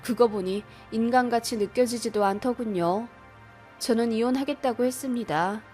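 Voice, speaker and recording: A woman narrating a true-life radio story in a steady confessional tone. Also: on the high side, normal speed, soft background music. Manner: steady confessional telling, acts her own outbursts.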